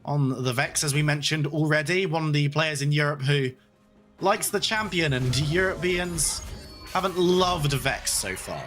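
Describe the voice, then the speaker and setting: A man doing play-by-play for an esports match. His voice sits a little high for a man, and he talks in a steady, flowing way with playful asides. Faint music plays behind him. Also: measured pace. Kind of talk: play-by-play game commentary.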